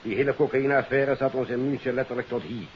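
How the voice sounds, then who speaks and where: An actor playing a formal, earnest police detective in the style of a 1950s radio drama. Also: male voice, mid-range voice, fast talker, natural voice. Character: grateful, formal male German police detective. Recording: dull, hissy 1950s radio recording.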